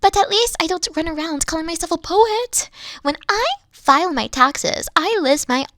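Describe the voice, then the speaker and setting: A woman playing a haughty but secretly soft, dorky evil queen in a roleplay audio, pompous, theatrical and easily flustered. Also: very high voice, lively intonation, normal speed, no room sound, studio quality. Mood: boastful, frustrated. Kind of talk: playful roleplay audio acting.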